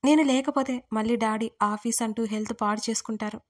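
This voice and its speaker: As an audio story narrator, a young woman voices the heroine of a romance in first person, her pitch slightly high for a woman. The delivery is intimate and heartfelt, with a steady tone at a fairly quick pace.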